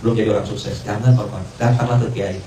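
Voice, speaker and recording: Fast-talking man preaching in a roomy space. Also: lowish voice, fairly even intonation, mellow, a little hiss or hum. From Indonesia. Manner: conversational, mixes Arabic and English phrases, acts out quoted dialogue. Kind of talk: morning sermon with storytelling. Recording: roomy, distant mic with faint ambience.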